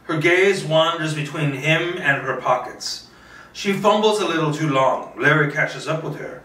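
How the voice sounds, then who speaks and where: A man's voice: a little high, measured pace, pushed and bright. A man doing an informal table read of a screenplay, narrating the action and sometimes stumbling or repeating words. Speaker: script reader. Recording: roomy echo, distant mic.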